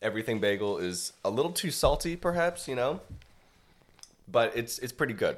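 Pausing long and often, a man with an American accent speaks at a moderate pace. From California. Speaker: podcast co-host. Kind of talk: casual chat.

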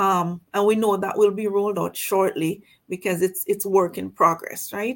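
On a very clean recording with a silent background, a woman with a Jamaican Canadian accent speaks at medium pitch and a moderate pace in a flat, monotone intonation. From Jamaica (Manchester). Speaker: diaspora council representative. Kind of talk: casual interview.

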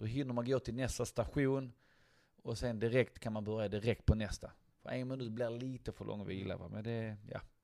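At a moderate pace, a man with a medium pitch and a dark, mellow tone speaks in a fairly even intonation. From Sweden, Landskrona (Skåne). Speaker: boxer and fitness coach. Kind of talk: interview.

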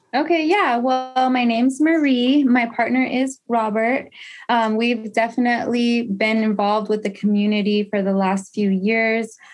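Over music in the background, a woman with an American accent speaks at a moderate pace with hardly any pauses. Her fairly high voice shows ordinary pitch variation and very even loudness. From Reno, Nevada. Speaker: small business owner. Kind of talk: casual interview. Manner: animated.

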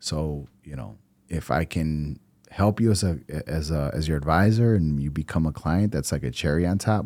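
This man talks with an American accent at a moderate pace. His pitch varies in an ordinary way. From Milwaukee, Wisconsin. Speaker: financial advisor and army veteran. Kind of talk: casual interview. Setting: his high-rise office.

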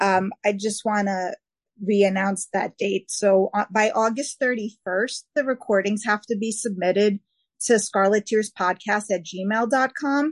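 With a New York accent, a woman speaks at a medium pitch and a fairly slow pace, using fairly even intonation in a dry, close sound with no echo. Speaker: fanfic writer and fan.

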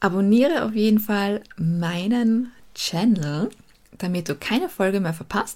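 With a normal speaking voice, a woman talks at a fairly slow pace, her medium pitch showing ordinary variation on a very clean recording with a silent background. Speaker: podcast host and meditation guide. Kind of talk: guided meditation, spoken slowly and soothingly with gentle encouraging cues. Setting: solo recording, podcast. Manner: slow, calm, soft-spoken, with long pauses between instructions; warm, reassuring, intimate tone addressing listener as 'du'.

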